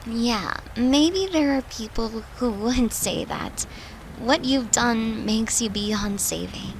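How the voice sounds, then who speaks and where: Steady rain-like noise sits behind a tender, devoted girlfriend, acted by a woman in an intimate comfort roleplay. Her voice is fairly high, with a creaky edge. She speaks slowly and soothingly, with great affection. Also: exaggerated voice, rough recording. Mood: earnest, reassuring. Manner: soft, soothing, affectionate, unhurried, at times whispering.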